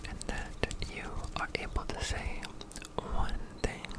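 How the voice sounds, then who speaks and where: A man delivers an ASMR pep talk entirely in whispers. His pacing is very slow and unhurried. He sounds gentle and earnest as he offers encouraging affirmations directly to the listener. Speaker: ASMR creator and streamer.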